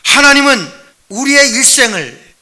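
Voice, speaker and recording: A man's voice: extremely high pitch, animated, a little slow. A male pastor preaching a sermon, emphatic and questioning, often addressing the congregation directly and answering his own questions. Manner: drops to a quiet, rambling aside when telling a personal story.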